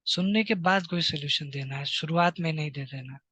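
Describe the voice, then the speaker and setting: Male teacher slowly dictating to children. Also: fairly high pitch, pushed and bright. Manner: slow, dictating phrases for students to repeat. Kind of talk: classroom lesson to children.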